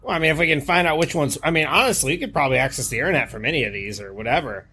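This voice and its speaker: A man speaking in character at a tabletop game, pressing with suspicious, probing questions. His voice is bright and a little husky. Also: a little high, lively intonation, racing. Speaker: player.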